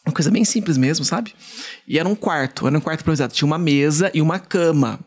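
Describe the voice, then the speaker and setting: Fast-talking man telling a story. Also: fairly high pitch. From Brazil. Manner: animated, frequent fillers and self-repeats. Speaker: podcast guest. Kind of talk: casual storytelling.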